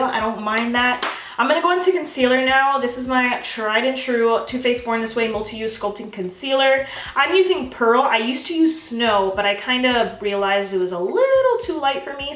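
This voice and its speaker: A woman's voice: fairly high pitch, fairly bright tone, echoey room, far from the mic, slight background noise. A young woman chatting bubbly and gushing through a makeup tutorial at home, talking straight to her viewers. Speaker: beauty vlogger. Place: home, filming herself.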